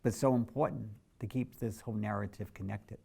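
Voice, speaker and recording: A man's voice: fairly low pitch, steady tone, brisk, vocal fry, darkish tone, husky. A middle-aged male photographer narrating a documentary in a candid, reflective storytelling manner.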